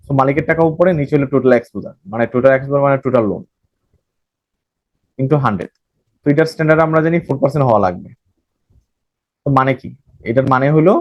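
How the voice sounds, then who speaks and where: Fast-talking male tutor. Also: medium pitch, dry recording, dull audio. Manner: explains by repeating phrases, mixing in English terms, self-corrects. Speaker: banking exam tutor. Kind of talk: recorded lecture.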